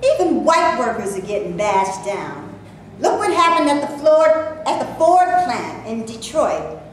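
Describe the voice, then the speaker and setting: An actress in a staged reading playing a skeptical, sardonic Black actress from the 1930s. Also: female voice, fairly high pitch, big pitch swings, a little slow. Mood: wry. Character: Black actress of the 1930s, wary, wry and outspoken. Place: stage before a live audience. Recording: very echoey room, faint noise.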